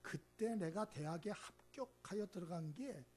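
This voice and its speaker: A man's voice: high-pitched, animated, measured pace, darkish tone. A male senior pastor giving a Sunday sermon in a church, talking to the congregation in a conversational, emphatic way and often checking in with a rhetorical "eh?". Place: church sanctuary.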